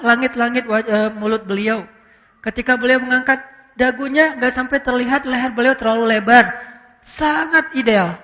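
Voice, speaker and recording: An Islamic preacher gives a casual, conversational lecture in a large hall, full of fillers and sprinkled with English words. His voice is very high-pitched and sharp, and he slows into a solemn tone whenever he acts out quoted speech.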